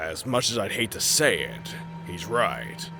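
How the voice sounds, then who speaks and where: A man uses a put-on character voice, very deep and low, at a fairly slow pace. Music plays clearly in the background. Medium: machinima. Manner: gruff, barking.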